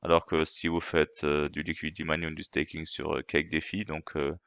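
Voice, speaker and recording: A man's voice: rumbling low, completely flat delivery, brisk, gravelly, a bit bright, clean tone, dry recording, dull audio. A man who is not a native speaker, explaining in a casual, hesitant way with many fillers and restarts. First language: not French. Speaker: crypto channel host. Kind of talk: casual explainer translating a video.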